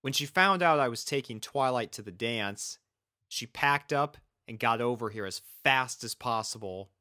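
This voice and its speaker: A man's voice: medium pitch, expressive, normal speed, sharp tone, no echo, studio quality. A man reading a scripted first-person story as its narrator. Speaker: fan fiction reader and narrator.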